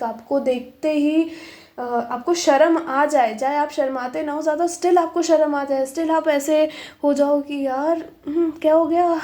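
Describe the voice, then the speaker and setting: A high-pitched woman telling a tarot reading in a chatty, playful way. Her tone is soft and mellow rather than bright, and she keeps slipping into acted-out lines and giggles as she spins the scene. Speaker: tarot reader. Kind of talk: casual pick-a-pile tarot reading.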